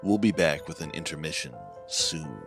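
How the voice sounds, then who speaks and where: A man's voice: very deep voice, animated, normal speed, gravelly, over music, full character voice. A man playing a sinister, theatrical host of a mysterious horror broadcast, with grandiose, ominous emphasis. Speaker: host of horror anthology show. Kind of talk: theatrical scripted horror hosting.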